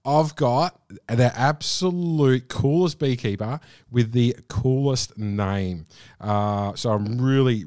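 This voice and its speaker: A man's voice: mid-range voice, no room sound, clean studio sound. A man hosting a podcast, effusive and piling on superlatives as he introduces and questions his guest. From Australia. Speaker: podcast host. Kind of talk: enthusiastic podcast interview. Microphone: remote call.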